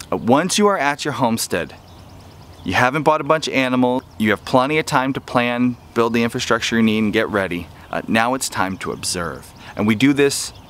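A man with lively intonation talks at a fairly quick pace in a dry sound with no echo. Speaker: homesteading vlogger. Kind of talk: casual vlog chat. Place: open country. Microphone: phone near.

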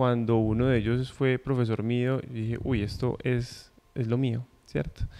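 A man with a Colombian paisa accent, dark and mellow in tone, with very even loudness and monotone, flat intonation. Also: fairly slow pace. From Colombia, Envigado (Antioquia). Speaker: photographer and physiotherapist; guest. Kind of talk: TV interview. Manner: halting, repeats words. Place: studio. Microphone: handheld.

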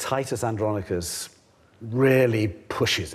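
A man with a normal speaking voice, fairly low in pitch, at a fairly slow pace. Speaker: theatre director, presenter; presenter. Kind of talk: presenting and interview chat.

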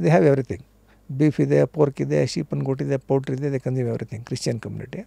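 This man's medium-pitched voice has a dark, mellow tone and very wide pitch swings, with a dry sound and no echo. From Karnataka, Magadi taluk (rural, near Bengaluru); Karnataka. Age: 60s. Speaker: retired veterinarian; guest. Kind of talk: interview. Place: studio. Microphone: studio mic.

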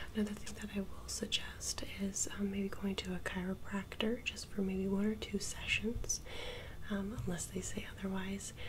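Over light background noise, a soft-spoken woman with a gentle tone talks at a moderate pace. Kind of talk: ASMR role-play, soft calm talk to viewer. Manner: soft-spoken, gentle ASMR voice. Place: home room.

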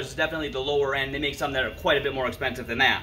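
A man's raised, projected voice. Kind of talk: casual vlog chat. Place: street. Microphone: camera far.

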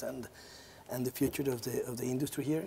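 A man speaks with a Spanish accent. Light background noise is present. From Colombia. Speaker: rum master blender. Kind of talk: casual chat.

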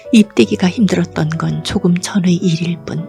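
Over music in the background, a woman with a gentle tone talks at a fairly slow pace. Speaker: poet and essayist. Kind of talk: audiobook novel reading. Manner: soft, gentle.

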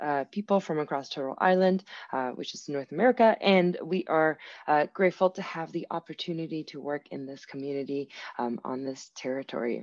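Lively intonation and big swings in loudness drive this fairly quick speech. The sound is dry with no echo, over a quiet background. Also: woman. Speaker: workshop facilitator. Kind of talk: workshop presentation. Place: home room. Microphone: video call.

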